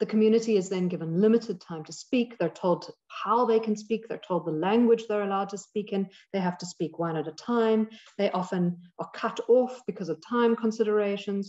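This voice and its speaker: Over a quiet background, a woman talks fairly quickly at a medium pitch, her tone dark and mellow with ordinary pitch variation. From South Africa. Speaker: legal scholar and keynote speaker; keynote speaker. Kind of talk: keynote lecture. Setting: online video conference. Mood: earnest, grave. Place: home room. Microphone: webcam.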